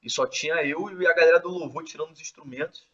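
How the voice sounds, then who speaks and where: A man casually telling his testimony in an excitable, slangy way, full of filler words. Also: on the high side, fast. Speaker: host sharing his testimony. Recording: distant, dull lo-fi mic.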